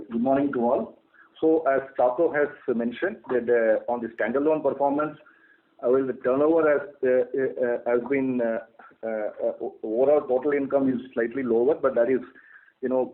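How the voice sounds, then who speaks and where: A man's voice: mid-range voice, phone-quality sound. A man with an Indian accent briefing on finances as a company executive, often stalling and repeating his words. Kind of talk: semi-scripted financial briefing on a conference call. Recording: thin telephone conference line.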